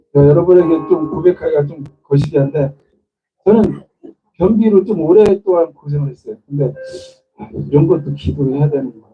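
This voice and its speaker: The man's pitch shows ordinary variation. He moves along at a moderate pace. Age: 60s. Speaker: church leader. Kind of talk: sermon-style talk to congregation.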